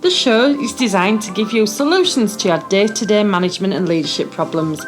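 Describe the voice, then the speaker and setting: A woman's voice: mid-range voice, animated, fairly quick. A woman reading a scripted podcast introduction as an announcer. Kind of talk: scripted promotional narration. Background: music.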